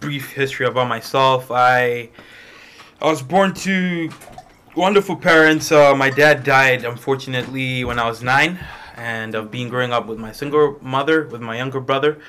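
A man's voice: medium pitch, moderate pace, pushed and bright, clean tone. A young man, telling his own story to a small group in an informal, conversational way. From Malawi. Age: young adult. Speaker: international student speaker. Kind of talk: personal testimony to a small group.

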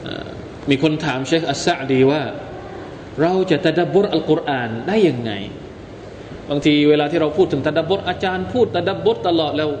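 A man giving a Quran commentary lecture, animated and emphatic, addressing listeners as brothers. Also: a little high, fairly quick, in a large hall, a little hiss or hum. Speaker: Islamic teacher.

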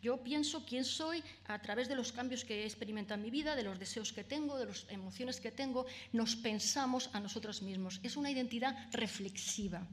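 A woman with a Spanish accent from Spain delivers an academic lecture in a somewhat high voice. She builds her points patiently, often tagging sentences with little questions to the audience and pausing on fillers. She speaks to a room of listeners. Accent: Peninsular Spanish. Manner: explanatory, frequent tag questions and fillers. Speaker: author giving a lecture.

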